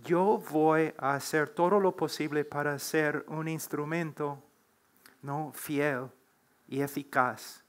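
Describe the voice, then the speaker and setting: Slow, earnest man preaching on a panel. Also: on the high side, steady tone. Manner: slow, earnest, preacherly, building to emphatic exhortation. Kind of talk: answering questions on a church panel. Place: church platform, seated before a large wooden cross.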